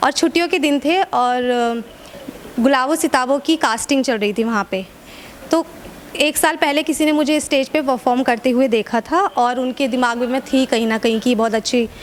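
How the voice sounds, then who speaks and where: A woman speaks in a high voice with ordinary pitch variation and very even loudness over noticeable background noise. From Uttar Pradesh, India (Moradabad). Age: 20s. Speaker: actress. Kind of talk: interview.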